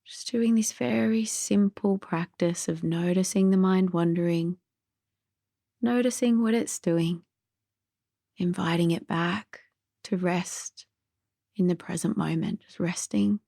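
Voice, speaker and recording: A woman leads a sleep meditation with a mellow, relaxed voice. Her delivery is very slow, gentle and soft, often easing toward a breathy near-whisper. The sound is close and dry. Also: lowish voice, no echo. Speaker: meditation guide.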